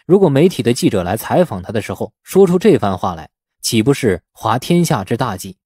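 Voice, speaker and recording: A male audiobook narrator reads a novel in a dramatic, scripted style. His pitch is expressive and varied, and the recording is dry and free of room sound. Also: fairly quick, breathy edge, no room sound.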